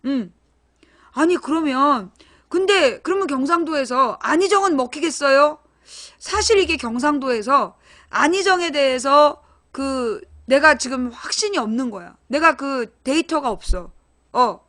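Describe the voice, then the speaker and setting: A woman with a high voice hosts a live-streamed political talk show. She speaks bluntly and casually, pressing her points and calling on her chat viewers to answer. Her delivery is emphatic and direct. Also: lively intonation, unhurried, fairly bright tone. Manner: talks directly to chat viewers, asks them questions; blunt and emphatic, informal speech.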